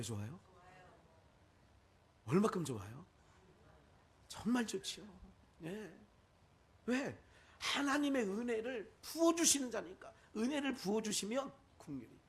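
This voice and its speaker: A man's voice: high voice, mellow. A male pastor with a Chungcheong Korean accent, preaching a sermon full of rhetorical questions and quoted asides.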